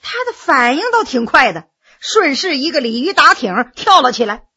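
A woman narrating a story in a lively, expressive audiobook style. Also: high voice, normal speed.

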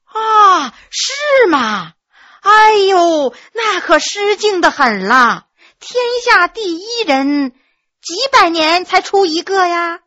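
Lady doing a sassy young butcher's girl, bright and high, teasing all the way. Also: very animated, a little slow, lo-fi sound, exaggerated voice. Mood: mocking. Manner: teasing, mocking. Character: lively sharp-tongued young butcher's daughter.

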